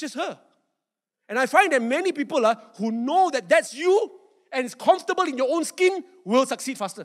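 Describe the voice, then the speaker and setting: Talking at a fairly quick pace, a man with a Malaysian accent uses an extremely high pitch, lively intonation and an animated tone. He leaves long, frequent pauses. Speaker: pastor. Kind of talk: sermon. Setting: church.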